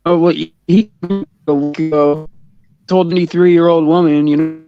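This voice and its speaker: A man's voice: fairly high pitch, level tone, moderate pace, clean tone, soft background music. Man on a choppy, breaking-up call. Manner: rambling, heavy with fillers and restarts. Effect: choppy call audio breaking up. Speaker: online show host. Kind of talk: casual chat on a call. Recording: dull lo-fi call line.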